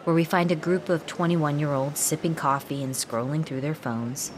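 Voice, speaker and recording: A woman with a Lebanese accent reporting the news and interviewing people in the field, measured and clear. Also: sits low, fairly even intonation. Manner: measured, clear narration and direct questions. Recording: outdoor field recording with noise.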